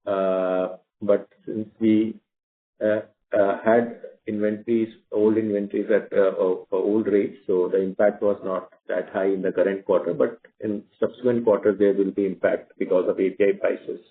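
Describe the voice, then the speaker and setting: A low-pitched man answers questions as an executive on an earnings call. His delivery is explanatory and a bit halting, and the sound is a narrow, muffled phone line. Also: level tone. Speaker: company finance executive.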